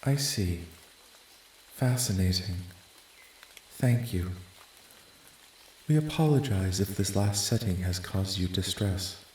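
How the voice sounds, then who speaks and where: A man voicing a calm, curious, clinical alien researcher in a soft-spoken ASMR roleplay, with measured, formal, detached questioning. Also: low-pitched. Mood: detached curiosity. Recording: roomy echo, light background noise.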